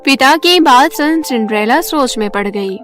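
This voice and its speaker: A woman's voice: high voice, animated, moderate pace, over music. A woman storyteller narrating a scripted children's fairy tale.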